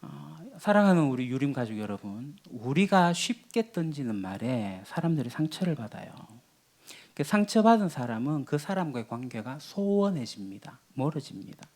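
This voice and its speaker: A man's voice: mid-range voice, big pitch swings, normal speed, darkish tone. A man preaching a sermon as pastor, teaching in a conversational way with rhetorical questions. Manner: teaching, acts out quoted lines of everyday quarrels.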